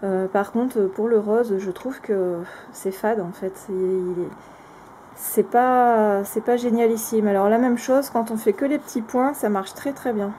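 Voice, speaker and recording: Mellow-voiced woman reviewing craft supplies. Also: medium pitch, measured pace, a little hiss or hum. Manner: hesitant, frequent filler sounds and restarts; frank, plainly spoken opinions. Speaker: crafting vlogger reviewing products. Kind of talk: casual product review, showing items to camera.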